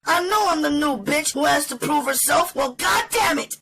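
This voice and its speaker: A woman plays a young streetwalker in an audiobook crime drama. The voice is high, and the delivery is brash, streetwise and full of emotion. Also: lively intonation, moderate pace, over music. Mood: furious, defiant. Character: young defiant female street prostitute, brash and pleading. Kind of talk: dramatized audiobook character acting.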